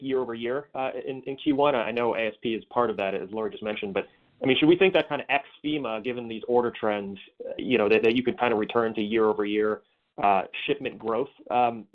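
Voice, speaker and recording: A male financial analyst asking wordy, hedging questions on an earnings call, often restarting his phrasing. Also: mid-range voice. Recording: thin phone-line audio.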